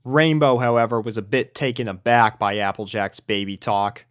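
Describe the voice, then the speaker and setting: A man narrating a fan-written pony story in a steady storybook manner. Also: lowish voice, normal speed, clean tone, no room sound, clean studio sound. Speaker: fanfic reader.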